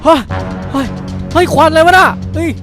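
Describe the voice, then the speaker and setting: A man voicing a clumsy, excitable young policeman who shouts a lot and turns meekly apologetic, in a dubbed Minecraft cartoon with music behind. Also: very high-pitched, a little fast. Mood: frantic. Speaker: channel host.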